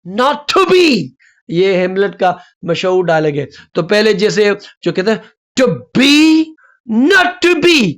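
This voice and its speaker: Guy with ish explaining poetry meter, drags out example words. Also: high-pitched. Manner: drawn-out stressed example words. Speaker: literature teacher. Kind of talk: explanatory lesson.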